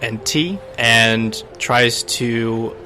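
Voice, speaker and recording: A man narrating his character's actions as a tabletop game player, in a deliberate, halting way. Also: mid-range voice. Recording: music under the voice.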